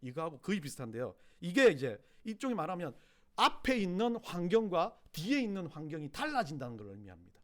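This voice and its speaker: A middle-aged male pastor with a Gyeongsang Korean accent, preaching a sermon, swinging from loud emphatic cries to hushed low asides. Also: very animated, fairly quick.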